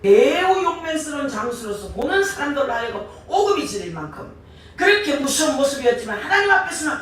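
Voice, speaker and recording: A woman preacher delivering an impassioned sermon, rising to shouts on key words, recorded from a distance in a church sanctuary. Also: high voice, very animated, a little fast, slight background noise. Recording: echoey church hall, far from mic.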